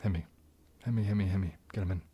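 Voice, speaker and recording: A young man hosting a casual livestream Q&A, soft-spoken and often slipping into a whisper. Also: low voice, fairly even intonation, fast talker, husky. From New Zealand. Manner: soft-spoken, drifting into whispers, frequent restarts. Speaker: ASMR livestream host.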